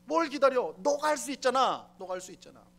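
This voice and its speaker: A man's voice: very high voice, big pitch swings, quick pace, a bit bright, pitched above the performer's own voice, heavily acted. A man voicing a sly male devil who mocks and goads a listener to give in, pushing harder with each line. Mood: goading. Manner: mocking, goading, insistent.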